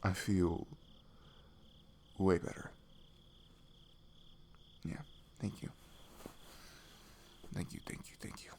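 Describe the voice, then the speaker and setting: A man's voice: low-pitched, flat delivery, slow, pauses often, a little mellow, slight background noise. A young American man playing a goofy, affectionate best friend in an intimate ASMR roleplay, chatting in a rambling, self-deprecating way. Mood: relaxed, chatty. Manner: rambling, giggly, self-deprecating, drops into murmurs.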